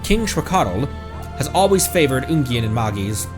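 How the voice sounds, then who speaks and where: A man's voice: medium pitch, big pitch swings, moderate pace. A man streaming a video game, commenting casually and reading in-game text aloud. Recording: music behind the voice. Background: video game music.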